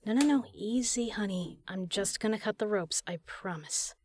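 For a fan audio drama, a woman voices a tough, capable spy who is flirty yet caring, in an intimate performance with a gentle, soothing mood. Her voice is mid-range and darkish, close to everyday speech, at normal speed.

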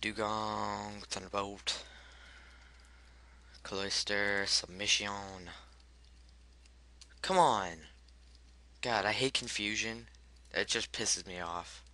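Man, gameplay commentary, grumbling and swearing, cracking voice, slow, lowish. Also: steady tone, bright, forceful tone. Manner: frustrated, swearing at the game, muttering menu choices. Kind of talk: let's play commentary.

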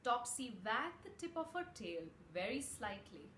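Young female children's storyteller, high lively voice, unhurried, expressive, in a roomy home recording. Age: young adult. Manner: expressive, addresses young listeners with questions. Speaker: children's story reader and host. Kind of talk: read-aloud children's storytelling with asides. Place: small home room, indoors. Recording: roomy echo with audible background noise.

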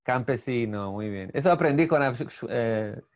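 A man whose first language is Portuguese, a rabbi teaching a storytelling lesson over a video call, who talks haltingly and searches for Spanish words. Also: medium pitch, expressive.

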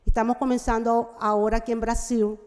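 A middle-aged woman gives a formal speech in a halting Portuguese-mix, stopping often to hesitate. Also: fairly high pitch, little pitch movement, a little mellow. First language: Spanish. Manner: mixes Portuguese with Spanish (portunhol). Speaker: representative of a migrant community organization. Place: large wood-panelled legislative chamber, indoors. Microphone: gooseneck desk microphone. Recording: echoey hall with long reverb.

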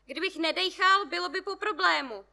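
A stubborn middle-aged man shouts down from a balcony, defiant and gruff, as a woman reads him aloud. The voice sits high and very bright, strained from shouting. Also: exaggerated voice.

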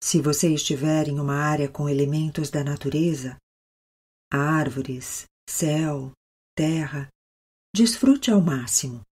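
Brazilian female meditation guide, soothing yoga-teacher delivery, mellow and breathy, pausing often. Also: sits low.

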